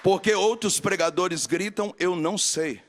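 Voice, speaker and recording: A man's voice: sits high, a little slow, slight background noise. A man with a Brazilian accent preaching a sermon at a live camp gathering, emphatic and repetitive, calling on the crowd to answer.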